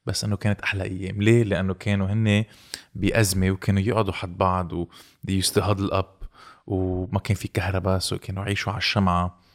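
Deep, quick Lebanese Arabic man chatting. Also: flat delivery. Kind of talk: casual conversation switching between Arabic and English.

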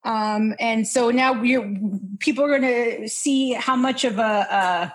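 A woman in her twenties appears as a podcast guest, talking slowly in a voice on the high side. Her casual chat rambles, she laughs, and she keeps interrupting herself.

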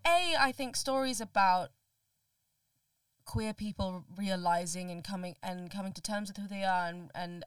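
A woman's voice: medium pitch, clear, resonant tone, no echo, far from the mic. A young woman from Sri Lanka, a podcast guest talking openly and animatedly, laughing often and restarting her words. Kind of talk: casual podcast conversation.

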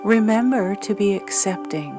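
A woman guiding a scripted meditation in a gentle, soothing, soft-spoken way, leaving long pauses between short phrases. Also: medium pitch. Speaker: meditation guide. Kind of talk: scripted guided meditation narration. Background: new-age music.

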